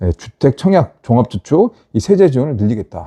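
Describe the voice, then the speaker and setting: At a fairly quick pace, a man of medium pitch speaks with a dark, mellow tone, somewhat breathy, with very wide pitch swings and a dry, close sound with no echo. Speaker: local real estate news YouTuber. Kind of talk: solo news commentary. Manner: fast.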